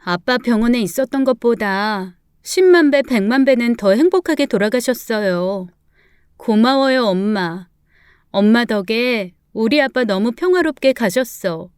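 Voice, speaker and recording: A woman voicing a grieving adult daughter in a read-aloud family story, speaking softly and earnestly. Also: on the high side, expressive, measured pace, smooth, no room sound, clean studio sound. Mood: tender. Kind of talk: storybook dialogue reading.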